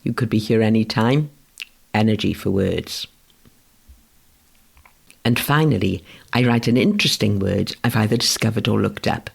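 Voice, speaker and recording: Gravelly-voiced man teaching writing. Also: lowish voice, normal speed, pauses often. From Wales. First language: Welsh. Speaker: writing course instructor. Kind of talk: scripted educational narration.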